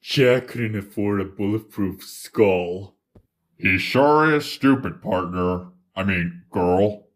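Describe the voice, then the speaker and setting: A man's voice: fairly low pitch, slow. A man voicing a crude, sarcastic, grumbling adult in a fan-made cartoon parody dub. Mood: casual.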